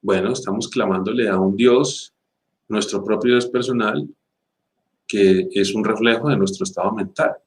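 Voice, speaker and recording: A man with a fairly low voice delivers a spiritual teaching. He speaks emphatically and rhetorically, piling up repeated phrases, and turns slow and calm when he guides a meditation. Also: slight background noise, rough recording.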